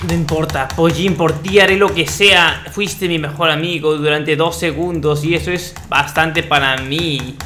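A young man, talking over a game, joking and shouting at enemies. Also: fairly high pitch, unhurried, hardly any pauses, slight background noise. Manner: excitable, shouting at enemies, comic. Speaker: gaming youtuber. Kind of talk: playing a game.

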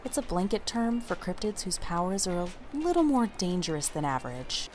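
Suspicious blunt woman, audio drama, animated pitch, casual sardonic delivery, faint music behind. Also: brisk. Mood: explaining. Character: wary, suspicious, blunt woman among supernatural friends.

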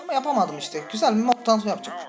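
Lively Turkish woman gaming, shrieking. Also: very fast. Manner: chatty, swears, breaks into startled high shrieks. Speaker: gaming channel host. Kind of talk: let's play commentary. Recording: faint game music behind.

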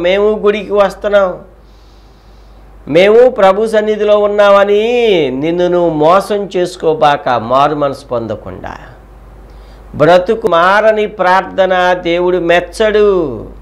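A man preaching a sermon, slow and emphatic, often asking the listeners rhetorical questions. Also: on the high side. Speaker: pastor.

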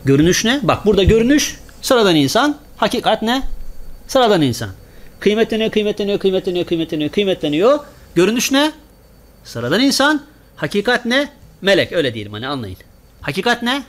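A man's voice: high voice, very animated, brisk. A male preacher giving a sermon to a congregation, asking the listeners questions, answering them himself and repeating words in rhythmic runs. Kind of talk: Friday sermon talk to a congregation. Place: small mosque.

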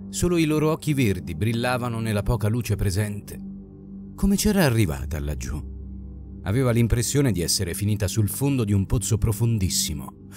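Man narrating an audiobook over music. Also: fairly low pitch. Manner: dramatic, expressive reading. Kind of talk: scripted narration.

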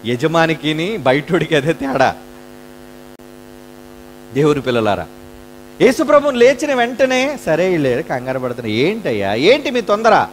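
Man, preacher, Telugu accent, high and lively voice, faint mains hum behind. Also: moderate pace, long pauses. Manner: dramatic storytelling, acting out voices. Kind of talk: sermon.

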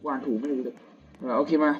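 A young man, still a student, giving casual gameplay commentary at home at night, slangy and crude with excitable outbursts. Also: medium pitch, fast talker. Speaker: gamer. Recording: dull lo-fi audio with game music.

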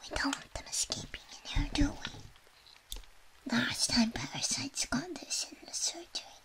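An ASMR performer whispers in a high voice at a measured pace, role-playing a quirky, soothing, slightly shady surgeon. She speaks gently and playfully, as if giving personal attention.

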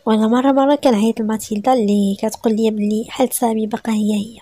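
A woman's voice: on the high side, steady tone, rapid-fire, warm tone, dry recording. A woman with a Moroccan Arabic accent narrating a first-person story in an emotional, breathless way.

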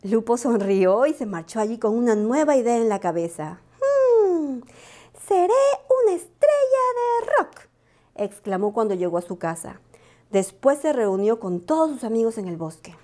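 A woman reading a children's bedtime story aloud, expressive and animated. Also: medium pitch, moderate pace.

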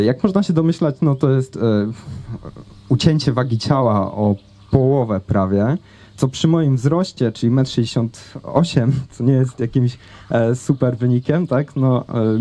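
On stage at an outdoor festival, a young speaker recounts something from his own life into a handheld microphone. His voice is mid-range and mellow, and he rambles conversationally, hesitating often and leaning on fillers.

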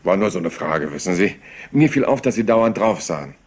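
A rumpled police inspector in a crime radio play. His voice is low and husky, and he sounds hesitant and apologetic while quietly prying. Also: animated, brisk. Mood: casually curious. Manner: hesitant, apologetic, deceptively casual. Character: rumpled, polite, slyly persistent male police inspector.

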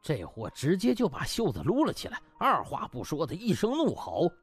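A man's voice: a little high, wildly swooping pitch, normal speed, slightly rough, soft background music. A man narrating a comic novel in a dramatic, theatrical storytelling style. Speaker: audiobook narrator.

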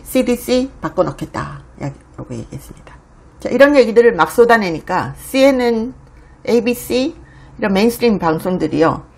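Husky woman giving animated news commentary. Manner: animated, mimics quoted people with raised pitch. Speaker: host of a foreign news commentary channel.

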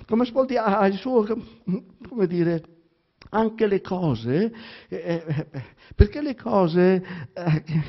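Halting high-voiced man from Romagna. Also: lively intonation. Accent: Romagna Italian. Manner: halting, stammering, with many repetitions and fillers. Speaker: actor reading a monologue. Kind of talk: theatrical monologue reading. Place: public library reading event. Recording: dull lo-fi recording.

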